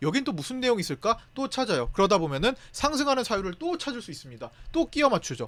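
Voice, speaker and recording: Very fast and with very wide pitch swings, a man's speech comes on a very clean recording against a silent background. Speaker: stock market commentator. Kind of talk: market review broadcast.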